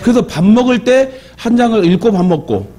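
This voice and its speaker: This man's voice is high, warm, and expressive, and he talks fairly quickly. He's a pastor from Jeolla, Korea, preaching with a Jeolla accent in a church sanctuary, adding joking asides and calls for amens.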